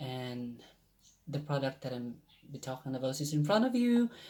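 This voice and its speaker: A somewhat breathy male voice at a fairly slow pace. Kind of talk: casual product review to camera.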